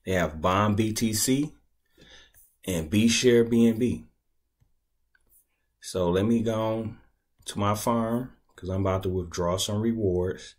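Deep, slow-talking man explaining a tutorial. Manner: laid-back, conversational, thinking aloud. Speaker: crypto tutorial creator. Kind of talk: casual screen-recorded tutorial.

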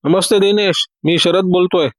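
A man's voice: fairly high pitch, normal speed, no echo, pitched above the performer's own voice, close to an everyday voice. A man voicing a confident, witty male detective who teases everyone in a breezy way. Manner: teasing, breezy.

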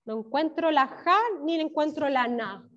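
High-voiced Chilean woman teacher. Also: a bit bright. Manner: encouraging, praises pupils by name; stretches words out slowly, syllable by syllable. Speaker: primary school teacher. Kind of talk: online class for young children. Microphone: video call. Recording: dull lo-fi video call audio.

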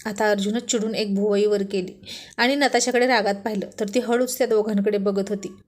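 A woman's voice: mid-range voice, steady tone, a little fast, darkish tone. Woman narrating a romance serial. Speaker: storyteller.

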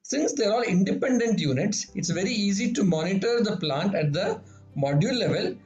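A man's voice: high-pitched, expressive, moderate pace, a little mellow, lo-fi sound, faint music behind. Man narrating an app demo in an echoey room. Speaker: solar engineer presenter. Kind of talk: voice-over demo of monitoring app.

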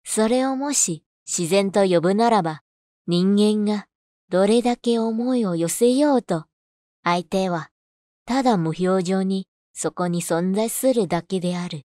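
A woman's voice: mid-range voice, a little slow, warm tone, no echo, studio quality. A woman reading scripted narration as a voice-over artist. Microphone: studio condenser microphone on boom arm.

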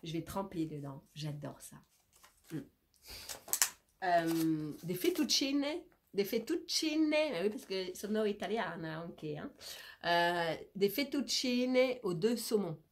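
A woman's voice: fairly low pitch, expressive, takes it slowly. Chatty woman with a cold, haul vlog. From France. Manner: chatty and playful, coos and baby talk to her cat. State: stuffy with a cold. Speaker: vlogger. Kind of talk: casual grocery haul chat to camera. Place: bedroom with leafy wallpaper, indoors. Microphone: camera in front at close range.

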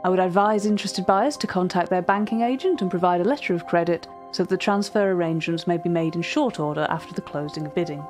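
A woman playing a cultured, earnest art curator, narrating a fiction podcast in a formal, precise and measured manner. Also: lowish voice, a little mellow, faint music behind, close to an everyday voice. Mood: measured, intrigued.

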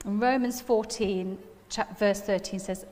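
A woman's voice: mid-range voice, steady tone, measured pace, darkish tone. A middle-aged woman with a Nottingham accent gives an informal sermon in a chatty, self-deprecating manner. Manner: chatty, self-deprecating, with frequent tag questions. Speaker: preacher. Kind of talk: informal sermon with personal anecdotes. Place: church hall stage at a lectern. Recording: echoey hall with long reverb.

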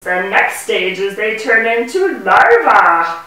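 A woman voicing a gentle, busy mother bee puppet, explaining earnestly and emphatically in sing-song rhymes for a children's show. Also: mid-range voice, big pitch swings, slow pace, some chatter behind, full character voice. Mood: proud, explaining. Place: indoor puppet stage in a room. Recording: echoey room, distant microphone.

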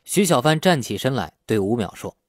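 A man's voice: mid-range voice, very animated, brisk, no echo, clean studio sound. A man narrating a novel as a scripted audiobook.

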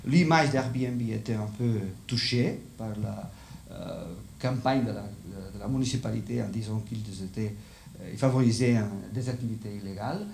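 Lecturing live in French as a foreign language, this middle-aged man with a Spanish accent speaks at normal speed in a lowish, slightly mellow voice with vocal fry, frequently groping for words. A seated audience listens in an indoor lecture room; he holds a handheld mic, and the room echoes with slight background noise.

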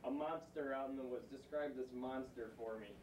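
A man's voice: mid-range voice, steady tone, normal speed, a little mellow, lightly acted, low-quality recording. A teenage boy playing a busy, dismissive forest ranger, talking impatiently in a homemade school video. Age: teens. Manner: impatient, brushing off. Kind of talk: amateur school video acting. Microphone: camcorder mic. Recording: old camcorder tape hiss.

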